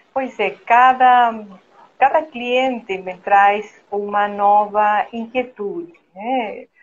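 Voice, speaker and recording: A woman with an Argentine accent speaks at a very slow pace. Her pitch is fairly high, with ordinary variation. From Argentina, Buenos Aires. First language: Spanish (speaking Portuguese). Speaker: architect and interior designer. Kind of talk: interview.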